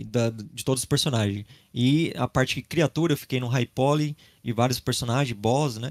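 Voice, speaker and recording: The speaker has a normal speaking voice with ordinary pitch variation at a moderate pace. The sound is dry and close, with no echo. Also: man, medium pitch for a man. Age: 30s. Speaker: 3D character artist for games. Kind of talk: casual interview on live stream.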